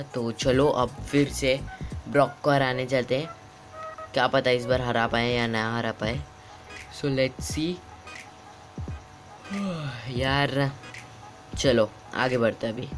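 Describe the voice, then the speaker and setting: A man giving casual gameplay commentary, chatty, apologizing often and muttering to himself. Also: mid-range voice. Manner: chatty, mixes English words, frequent apologies and mutters. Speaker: gaming YouTuber. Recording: game music playing behind.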